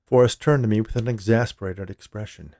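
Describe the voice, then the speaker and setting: A man's voice: lowish voice, brisk, a little mellow, dry recording, studio quality. A man narrating a scripted first-person story as the storyteller of a fiction podcast.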